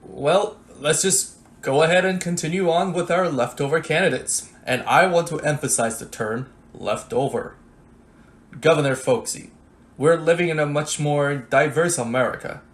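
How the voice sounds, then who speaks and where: A man's voice: fairly high pitch, moderate pace, natural voice. A man playing a wry, weary debate moderator in a staged political satire, presenting like an announcer. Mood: wry hosting.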